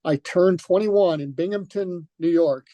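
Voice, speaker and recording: Speaking unhurriedly in a high, warm voice, an older retired motocross racer loosely recounts his racing days as an interview guest, with many fillers and restarts. There's no room sound, though the recording is muffled.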